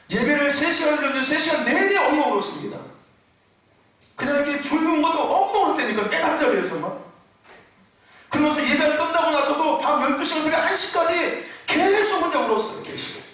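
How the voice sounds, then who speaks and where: A male pastor preaching a Sunday sermon with passion, often raising his voice and laughing as he tells his story. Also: very high voice. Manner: impassioned, often shouting and laughing mid-phrase. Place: church sanctuary. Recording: echoey church hall from far off.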